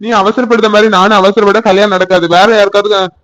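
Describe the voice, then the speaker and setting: A man's voice: high voice, flat delivery, quick pace, a bit bright, no echo. Man voicing a reassuring young village lover. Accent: Tirunelveli Tamil. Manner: reassuring, coaxing.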